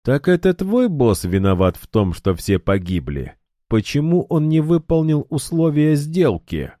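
A man's voice: a little high, big pitch swings, dark tone, no echo, studio quality, voice pushed up. A man voicing a hot-tempered young fighter who taunts and snaps at his foe in a raised voice. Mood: suspicious. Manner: sarcastic, taunting, quick to anger.

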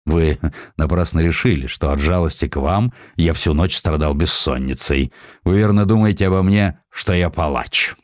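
A man playing a deep-voiced callous imperialist magnate. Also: moderate pace, no room sound, clean studio sound, lightly acted. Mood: callous, scornful. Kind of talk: audiobook character dialogue.

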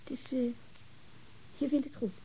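An actress playing a gentle, independent eighteen-year-old daughter with a Netherlands Dutch accent in a radio drama, affectionate, frank and coaxing, with faint hiss. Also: female voice, unhurried, natural voice, low-quality recording.

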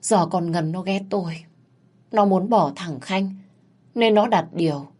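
A woman's voice: measured pace, a little mellow. A woman voicing a scheming middle-aged mother-in-law who wails and pleads her innocence in a tearful, wheedling voice. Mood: pleading innocence. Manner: tearful, wheedling, higher pitch.

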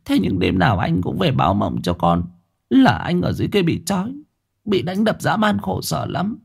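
A man's voice: fairly high pitch, huge pitch swings, normal speed, vocal fry, husky, voice pushed up, exaggerated voice. A man voicing a grieving village widow who pleads for help. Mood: pleading. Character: grieving village widow, middle-aged woman.

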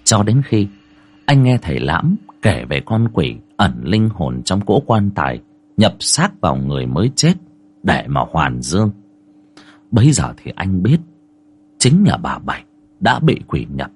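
Husky man narrating a ghost story. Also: low voice, unhurried. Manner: expressive, rising and falling. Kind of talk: scripted horror narration. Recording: soft music underneath.

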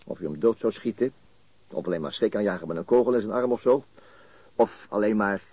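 An actor playing a calm, shrewd police detective in a radio crime drama, questioning in a measured, matter-of-fact way. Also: male voice, fairly low pitch, slightly rough, no room sound. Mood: probing. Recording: dull, lo-fi radio recording.

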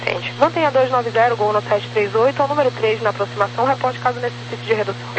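An air traffic controller with a Brazilian accent gives clipped, procedural clearances over the radio. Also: medium pitch, quick pace. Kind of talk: radio callout of aviation clearances. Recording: noisy humming air-band radio transmission.

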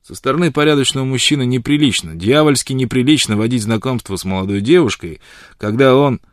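Gruff older frontiersman, read by a man, blunt, blustering, dry close sound. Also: mid-range voice, lively intonation, fairly quick, no echo, pitched above the performer's own voice, close to an everyday voice.

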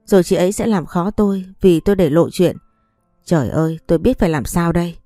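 A woman narrating a first-person audiobook story with a smooth, even storytelling delivery. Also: fairly low pitch, brisk, dry recording, clean studio sound, soft background music.

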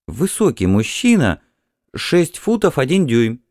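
A man voicing a dreamy, excitable Martian wife in an audiobook, breathless and wondering as she insists on her vision. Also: mid-range voice, measured pace, no echo, studio quality, voice pushed up. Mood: dreamy, excited.

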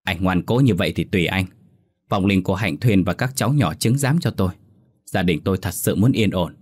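A man's voice: deep voice, a little fast, darkish tone, breathy edge. A man doing a timid, pleading villager. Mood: resigned. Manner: pleading, nervous. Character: timid man, frightened of ghosts.

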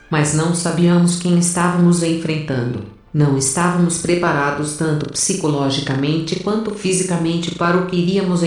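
Casting: actress as resolute soldier-narrator, low female voice, measured and grave, very reverberant audio drama sound. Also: darkish tone, natural voice. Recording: very echoey, distant from mic.

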